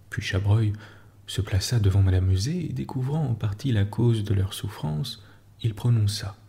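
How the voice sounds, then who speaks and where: A man reading a literary story aloud in a calm, slow bedtime style, sometimes dropping to a whisper, close to the mic. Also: fairly low pitch, vocal fry. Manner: slow, hushed, soothing delivery, dropping at times to a whisper. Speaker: narrator.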